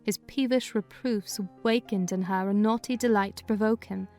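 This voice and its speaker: A woman narrating a dramatized audiobook reading in a measured storytelling manner. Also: medium pitch, steady tone, dark tone, faint music behind.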